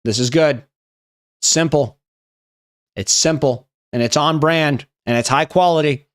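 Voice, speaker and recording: A man's voice: on the high side, measured pace, clean tone. A young man casually reading out viewer memes on a live stream and riffing on them, often swearing and laughing. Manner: reads memes aloud and riffs, swearing, laughing.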